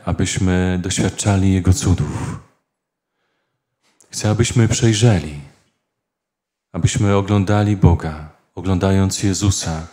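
A man preaching a sermon as a priest, earnest and speaking in short phrases with pauses. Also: low-pitched, dark tone.

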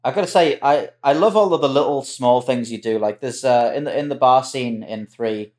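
A man's voice: mid-range voice, normal speed, a little mellow. A man chatting casually and appreciatively as a panelist in a roundtable. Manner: appreciative, informal. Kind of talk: casual chat.

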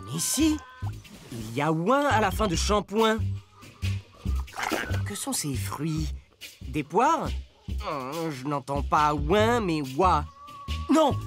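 A man voicing an excitable character who fusses over his childhood toy duck, talking theatrically in a scripted comic lesson. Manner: theatrical, with big swings of pitch between lines. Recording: music playing behind the voice.

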